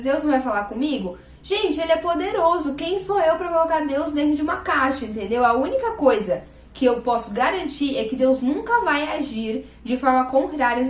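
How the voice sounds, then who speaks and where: A woman's voice: high voice, echoey room. A woman hosting a Christian video, talking casually and earnestly to her viewers, stressing her points and addressing them directly. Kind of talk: casual teaching talk.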